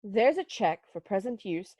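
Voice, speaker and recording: A woman's voice: medium pitch, big pitch swings, normal speed, mellow, slight background noise, close to an everyday voice. A woman playing an old male miser, giddily reformed and penitent, in an amateur dramatic reading full of exclamations. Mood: generous cheer. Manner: exclamatory, effusive.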